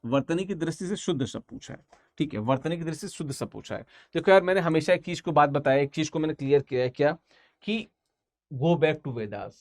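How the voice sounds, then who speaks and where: A man's voice: fairly high pitch, lively intonation, brisk, dry recording. A man teaching an online exam-prep language class, talking casually and repeating each answer several times.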